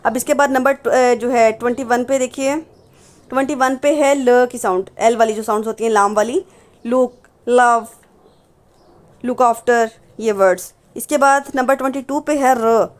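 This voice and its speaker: In this phonetics lesson on the meaning of symbols, a woman with a slightly high voice speaks at a moderate pace. She patiently repeats example words while teaching English phonetics, posing questions and then answering them herself.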